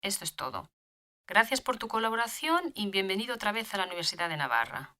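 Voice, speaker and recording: Lively bright woman reading lesson dialogue. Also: medium pitch, fast talker. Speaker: dialogue reader in a language lesson. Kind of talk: scripted beginner dialogue.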